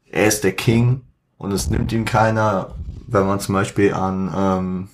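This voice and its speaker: Man, podcast host, lowish voice, halting, lots of fillers and restarts, casual commentary, slang-sprinkled. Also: fairly even intonation, a little hiss or hum. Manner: halting, many fillers and self-corrections; mixes English slang into speech.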